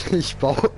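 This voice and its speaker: A man giving casual live gaming commentary in clownish, slangy broken grammar, as a streamer. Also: a little high. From Switzerland. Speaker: game streamer.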